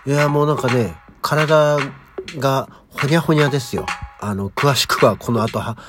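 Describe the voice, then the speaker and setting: A middle-aged man hosting his own morning show, chatting casually and with high energy as he tells a story alone. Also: normal speed, music in the background. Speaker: podcast host. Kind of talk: casual solo morning talk.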